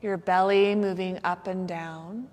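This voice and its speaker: A woman teaching yoga nidra, guiding a meditation in a soothing, gentle manner with unhurried pauses. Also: on the low side, steady tone. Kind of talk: guided meditation instruction. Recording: long hall-like reverb.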